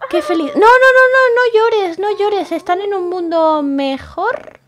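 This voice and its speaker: Woman playing a skittish, stuttering young woman with a very high voice, improvised game roleplay. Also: unhurried. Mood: jittery, flustered. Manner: stammering, repeats words when startled. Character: jumpy young woman, easily frightened and fussy. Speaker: roleplay channel host.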